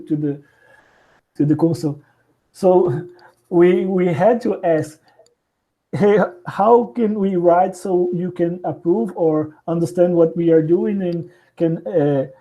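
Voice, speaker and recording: Male podcast guest, Brazilian accent, Portuguese native, unhurried and searching for words, tinny call audio. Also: a little high, warm tone. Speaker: podcast guest, house builder. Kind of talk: casual interview conversation. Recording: thin phone-like call audio.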